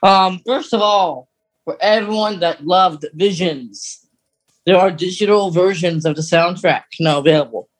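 A man with a voice on the high side co-hosts a podcast. He talks casually and informally, wandering a little as he shares news with his co-host. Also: a little slow, rough recording. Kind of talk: casual podcast chat about fandom news.

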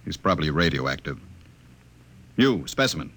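A man's voice: rumbling low, big pitch swings, moderate pace, fairly bright tone, heavily acted. An actor playing a pompous, contemptuous, officious male director in 1950s American radio drama style. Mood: haughty, contemptuous. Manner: imperious, haughty, officious. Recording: vintage 1950 radio recording.

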